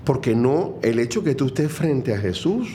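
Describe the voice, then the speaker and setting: A middle-aged Catholic music minister with a Venezuelan Spanish accent speaks earnestly and reflectively as a guest in a conversational interview, using many fillers and restarts. His medium-pitched, mellow voice swings widely in pitch at a moderate pace, with slight background noise.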